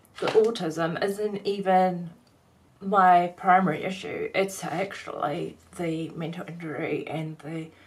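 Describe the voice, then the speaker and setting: Spoken with a New Zealand accent at a very slow pace. The loudness swings widely from moment to moment. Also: woman, fairly low pitch for a woman. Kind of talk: casual talk to camera. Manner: hesitant, halting.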